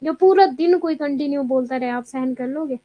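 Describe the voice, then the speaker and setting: A young woman with a high, bright voice runs a live online class, chatty and quick to answer students' comments. She mixes English terms into her explanations. The sound is dry and close, with no room around her. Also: no room sound, dull audio. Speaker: exam coaching teacher.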